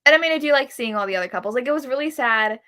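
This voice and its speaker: A woman's voice: sits high, lively intonation, rapid-fire, pushed and bright. A woman chatting casually about books on a live show, peppering her talk with "like" and acting out quotes. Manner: heavy use of "like". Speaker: co-host of a book club readalong.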